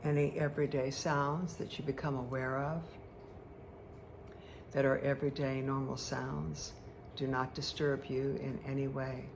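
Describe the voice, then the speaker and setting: Slow, low-creaking woman guiding meditation. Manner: slow, deliberate, soothing, with long pauses. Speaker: guided meditation leader. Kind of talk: guided meditation, hypnotic relaxation. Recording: clear steady background noise.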